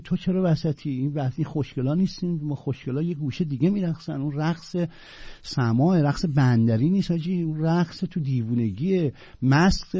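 A man explains Sufi poetry in a casual, conversational way, reciting lines with mounting force before unpacking them. His voice is husky and a little breathy. The recording is dull and lo-fi with a dry, close sound. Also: fairly high pitch, warm tone, no echo. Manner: recites verses with rising emphasis, then explains in loose colloquial talk. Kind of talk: casual spoken commentary on classical poetry.

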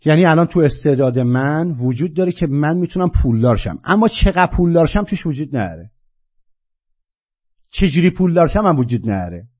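A man giving an impassioned spiritual talk, swinging from low murmurs to loud, animated bursts. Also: breathy edge. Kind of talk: impassioned monologue. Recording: dull lo-fi recording.

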